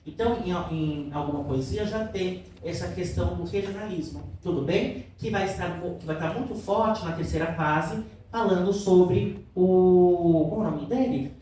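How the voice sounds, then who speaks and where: A high-voiced man gives a lively literature lecture to a class, often pausing to ask whether everyone is following. He is heard from a distance in a very echoey room, with faint noise underneath. His tone toward the students is affectionate. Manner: keeps checking in with students, asking questions. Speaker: literature teacher. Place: classroom in a cultural center.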